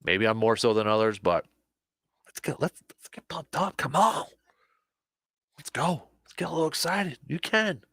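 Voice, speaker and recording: A man hosting a casual sports talk show, a little hoarse, animated, often repeating and restarting his words. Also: fairly high pitch, moderate pace, long pauses, no room sound, clean studio sound. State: slightly hoarse, losing his voice.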